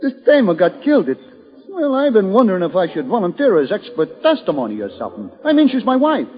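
High, jittery American small-time gambler. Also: male voice, huge pitch swings, fast. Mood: defensive, rattled. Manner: slangy, ungrammatical, protesting. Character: Loopy Fife, nervous defensive male small-time gambler. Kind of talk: old-time radio detective drama acting. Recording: dull, reverberant old radio recording.

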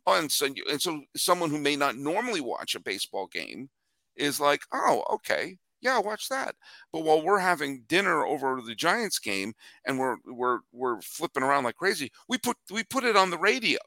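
A man hosting a baseball podcast in casual chat, animated and repeating himself as he thinks. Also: fairly high pitch, brisk, dry recording, clean studio sound. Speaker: podcast host.

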